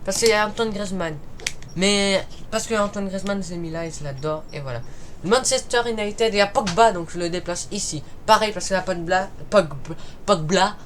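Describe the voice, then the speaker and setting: A man's voice: sits high, moderate pace, fairly bright tone. A man from Paris talking casually in an unscripted vlog, often stumbling and correcting himself as he goes. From Paris, France. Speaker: YouTuber ranking football clubs. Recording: noisy recording with clicks.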